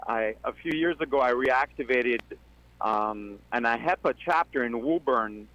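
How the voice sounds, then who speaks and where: A man from Greece calling in to a radio show, talking earnestly with many pauses. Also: mid-range voice, a bit bright, no room sound. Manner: earnest, with many ums, speeds up when joking. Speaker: caller. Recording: dull lo-fi phone line.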